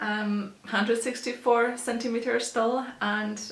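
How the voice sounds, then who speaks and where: A woman with a Polish accent speaks at a fairly high pitch, with ordinary pitch variation. The room echo is audible, and there is noticeable background noise. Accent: Polish accent, working on it. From Poland, Krakow. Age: 20s. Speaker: beauty YouTuber. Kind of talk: Q&A vlog. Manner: halting, many fillers.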